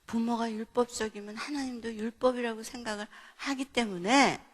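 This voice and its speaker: A middle-aged woman pastor gives a sermon at an evening family meeting, telling stories and acting out the people in them with big swings in loudness. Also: fairly high pitch, moderate pace. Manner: animated storyteller, acts out dialogue with big swings in loudness. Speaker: pastor and seminar speaker. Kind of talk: sermon with storytelling. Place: church hall at an evening revival meeting.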